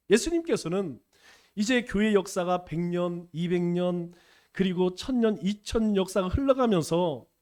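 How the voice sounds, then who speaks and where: A man's voice: sits high, a little mellow. A male pastor with a Chungcheong accent, preaching a folksy sermon and acting out little dialogues. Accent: Chungcheong Korean. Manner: folksy, playful, acts out dialogues.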